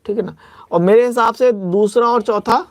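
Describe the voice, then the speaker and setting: The high-pitched voice of a young man, recorded with no room sound, leads a maths exam-prep lecture. Calculations are worked out aloud one step at a time, and he drills cautions to be careful. Formulas come slowly for dictation, while asides come quickly.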